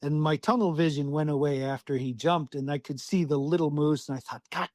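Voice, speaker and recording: A man from Southwest Alaska, his voice fairly high, dark, and a little fast, recorded with no echo. As a podcast guest he tells a hunting story in a salty, casual way, swearing freely and acting out his own thoughts.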